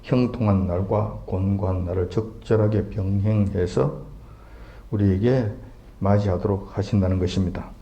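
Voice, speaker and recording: A man preaching a sermon, emphatic and fond of rhetorical questions that swing up in pitch. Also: creaky, mellow, echoey room, highs cut off.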